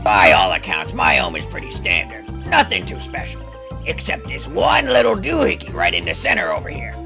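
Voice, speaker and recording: A man's voice: sits low, huge pitch swings, moderate pace, vocal fry, over music, full character voice. A man playing a grumpy elderly ape in an audio drama, scolding and folksy like a curmudgeon. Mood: gruff, offhand. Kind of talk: audio drama character acting.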